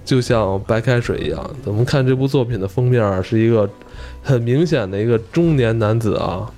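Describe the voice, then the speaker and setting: A man, co-hosting a podcast in a relaxed, chatty way with mild swearing. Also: mid-range voice, brisk, faint music behind. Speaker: podcast co-host. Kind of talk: casual podcast chat.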